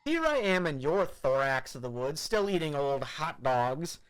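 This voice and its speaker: A man's voice: on the high side, sing-song, a little slow, smooth. A man voicing a manic, taunting young man in a story, erratic and mock-playful as he rambles.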